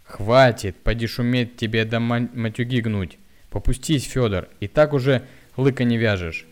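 A man's voice: medium pitch, normal speed, voice pushed up, lightly acted. A man voicing a weary middle-aged village woman who pleads with and scolds her drunk husband in rustic speech. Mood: scolding plea.

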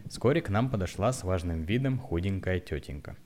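A man reading a story aloud in a plain, steady way, with occasional stumbles. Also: low-pitched, a little fast, slight background noise. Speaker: narrator.

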